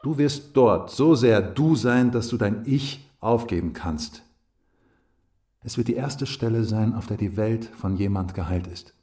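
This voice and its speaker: An actor playing a calm, stern and rational male companion in a literary radio drama, measured and admonishing. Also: lowish voice. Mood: calm, probing.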